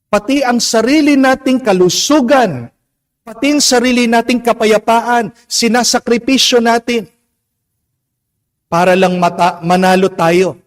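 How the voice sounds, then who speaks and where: A man with a Filipino accent preaching a Catholic homily, slow and emphatic, stretching out words and asking rhetorical questions. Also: high-pitched. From Philippines. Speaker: Catholic priest. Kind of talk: homily mixing Tagalog and English. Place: church. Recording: long church reverb.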